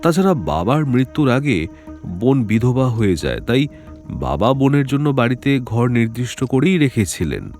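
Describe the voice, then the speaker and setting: A man's voice: mid-range voice, big pitch swings, normal speed, a little mellow, soft background music. A man playing a worried jeweller. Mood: explaining. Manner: hesitant, worried, explaining at length. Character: anxious middle-aged male jeweller fearing murder. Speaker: client. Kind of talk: Bengali audio drama acting.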